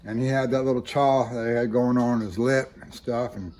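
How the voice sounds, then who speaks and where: A man's voice: mid-range voice, steady tone, moderate pace, a little mellow. A middle-aged man chatting casually as a homestead vlogger, a rambling, chuckling storyteller talking outdoors on a farmstead into a camera mic. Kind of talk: casual chat. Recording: outdoor vehicle noise.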